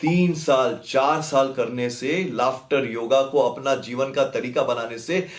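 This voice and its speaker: Hardly pausing, a man talks with a fairly high pitch and ordinary pitch variation. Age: 60s. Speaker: laughter yoga instructor. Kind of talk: radio interview. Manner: animated.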